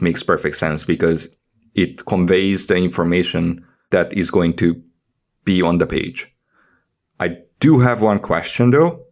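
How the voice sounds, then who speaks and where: A man chatting casually as a podcast co-host, in a grumbling, skeptical manner. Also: low voice. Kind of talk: casual panel chat.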